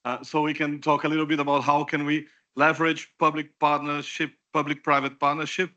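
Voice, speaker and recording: A man hosting a conference session, halting and repeating words as he introduces the panel. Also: on the high side, flat delivery, pushed and bright. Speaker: session host. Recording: dull, muffled sound.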